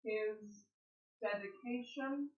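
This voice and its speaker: A woman's voice: mid-range voice, very slow, echoey room, muffled recording. A woman teaching an online English class in an upbeat way, often checking in with "okay?".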